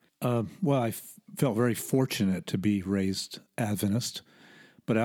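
A man with an American accent speaks at a fairly slow pace and fairly low pitch, in a plain, everyday voice. His intonation is fairly even, and the recording is very clean with a silent background. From California, US. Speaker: ministry president. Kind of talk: interview.

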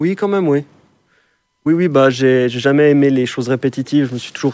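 A dry, close sound with no echo, the words coming very fast. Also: man. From French-speaking Switzerland, Lausanne. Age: 20s. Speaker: cabinetmaker and van-life hobbyist. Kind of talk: interview. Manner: halting, many hesitations.

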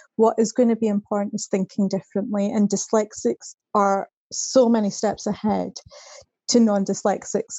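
A woman speaks at a medium pitch with a somewhat breathy voice. Her pace is moderate and her intonation fairly even. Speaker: design engineer and public speaker. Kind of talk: interview chat.

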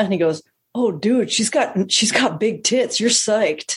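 A woman speaks at a moderate pace with medium pitch. Her voice is somewhat breathy, with lively intonation. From Vermont, Stowe. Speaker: comedian. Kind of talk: casual chat.

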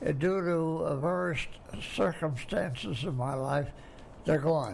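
In an American accent, a man speaks very slowly with a fairly high pitch and lively intonation. His voice is somewhat breathy, and audible room echo surrounds it. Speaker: son of a doll maker. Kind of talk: interview.

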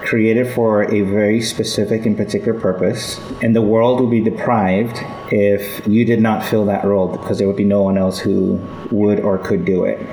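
Audible room echo and noticeable background noise surround a man's fairly low-pitched voice. He speaks at a moderate pace in a monotone, flat way. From Ghana, raised in several countries. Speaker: business executive. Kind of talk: faith testimony interview.

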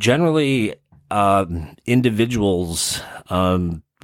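Lively intonation colors this man's very deep, low voice, delivered with a slight Midwestern US accent. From US Midwest. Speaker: neuropsychologist podcast host. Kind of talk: educational talk about psychology, solo episode. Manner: halting, many fillers.

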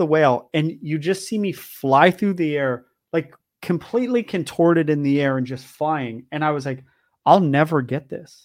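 Heard in a very clean recording with a silent background, a man with an American accent speaks in an ordinary speaking voice at a moderate pace, his fairly high pitch carrying lively intonation. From US Pacific Northwest (Oregon). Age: 40s. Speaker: dog trainer and podcast host. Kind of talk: casual chat.

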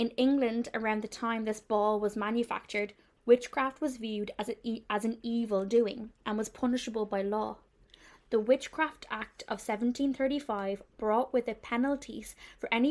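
A woman talks with an Irish accent at a fairly high pitch. The recording is very clean, with a silent background. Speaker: podcast co-host. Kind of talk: storytelling from notes. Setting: in person, at work.

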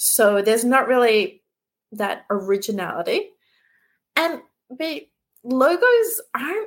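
With an Australian accent, a woman speaks at a very slow pace and a high pitch. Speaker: branding strategist. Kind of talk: casual interview. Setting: live stream.

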